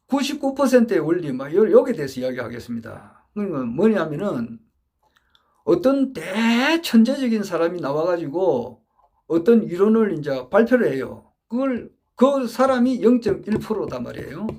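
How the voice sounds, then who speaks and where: A man's voice: high voice, darkish tone. A man giving an earnest monologue lecture, emphatic and repetitive, often restarting his phrases as he builds his point. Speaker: political supporter giving a talk.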